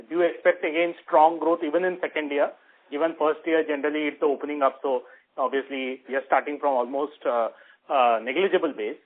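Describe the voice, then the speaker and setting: A male analyst puts questions to company management, halting and full of fillers. His voice sits a little high for a man. The sound is narrow and phone-like. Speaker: analyst on call. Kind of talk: asking questions on earnings call. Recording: tinny phone line.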